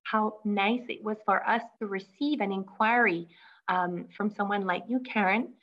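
A woman's voice: mid-range voice, steady tone, a little slow, highs cut off. A woman hosting an interview, welcoming and encouraging her guest. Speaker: host, company head.

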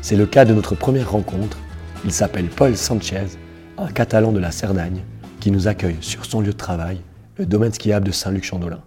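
A man's voice: on the low side, fairly quick, music in the background. A man hosting a podcast, reading a scripted introduction and then interviewing a guest in a friendly way, his voice a little worn. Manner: warm welcoming narration, then friendly questions. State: slightly lost voice. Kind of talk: scripted narration and casual interview.

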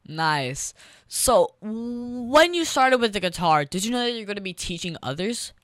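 A show host with a bright, clear voice and very animated pitch. The delivery is showy and presenter-like, asking questions of a guest. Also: unhurried, dry recording, clean studio sound. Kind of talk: show hosting, interview.

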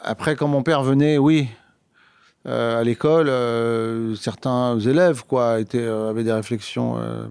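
A man's voice: medium pitch, steady tone, measured pace, vocal fry, darkish tone, clear, resonant tone, no room sound, studio quality. A man from France recounting his childhood in an interview, hesitant, with many fillers and restarts. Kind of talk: personal storytelling in conversation.

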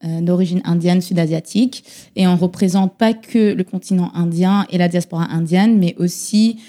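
Female podcast guest, low dark voice, earnest, explanatory, hesitant fillers. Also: fairly even intonation, normal speed. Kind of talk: casual discussion.

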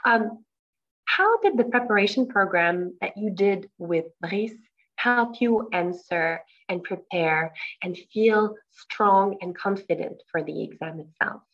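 A woman's voice: mid-range voice, slow. Woman interviewing, muffled sound. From Montreal, Canada. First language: French. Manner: warm, affirming questions. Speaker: language school founder and interviewer. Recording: muffled lo-fi audio.

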